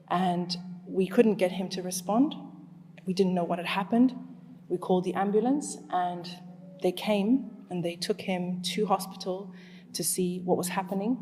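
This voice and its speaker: A woman in her forties gives a talk in a large hall, and her voice trails off into a long echo. She speaks at a middle pitch, draws the crowd in with hand-raising questions, and then shifts into telling her own story. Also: mellow. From Zimbabwe. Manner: engages the crowd with show-of-hands questions, then tells a personal story. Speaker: speaker at a Muslim community event. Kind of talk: storytelling talk to a live audience.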